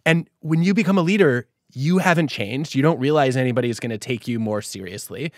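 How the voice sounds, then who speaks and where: Animated young male podcast host. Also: brisk, dry recording, studio quality. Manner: animated, varies pitch and pace. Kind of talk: casual conversation.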